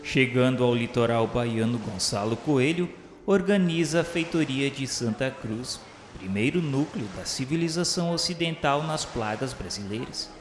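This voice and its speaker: Male narrator, Brazilian accent, for solemn radio storytelling; literary and measured, drenched in reverb over music. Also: mid-range voice, expressive. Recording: echoey hall reverb, music underneath. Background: background music.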